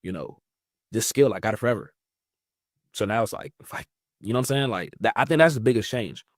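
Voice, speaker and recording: A man in his twenties, talking in a rambling, casual way, leaning on "like" with lively jumps in pitch. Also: fairly quick, no echo, clean studio sound. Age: 20s. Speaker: guest. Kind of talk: casual interview chat.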